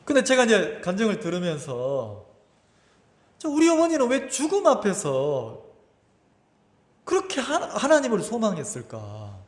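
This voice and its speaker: A middle-aged male pastor preaches in a church, his fairly high voice swinging widely as he retells a family story with feeling. The sound carries a long, roomy reverb from the hall around him. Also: wildly swooping pitch, measured pace, long pauses. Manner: emotional storytelling, quoting his mother and himself. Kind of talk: sermon. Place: church sanctuary.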